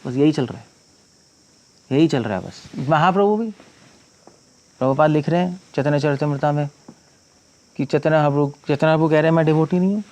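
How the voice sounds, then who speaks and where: A monk giving a scripture discourse, reciting verses slowly and then explaining them in conversational speech mixed with English phrases. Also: male voice, on the high side, a little mellow.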